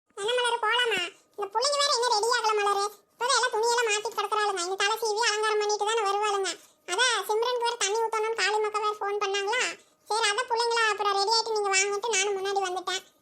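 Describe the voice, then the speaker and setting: In a squeaky, cartoonish character voice, a woman speaks at an extremely high pitch with monotone, flat intonation. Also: moderate pace. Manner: chatty, familiar.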